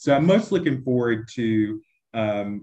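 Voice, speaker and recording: The voice has a Southern US accent. Its intonation is lively. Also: man. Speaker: convention organizer.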